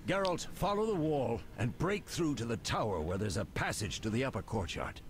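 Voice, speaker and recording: An actor playing a stern older male witcher mentor, gruff and commanding, in game audio. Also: medium pitch, very animated, moderate pace, slight background noise, lightly acted. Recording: game audio with loud music behind.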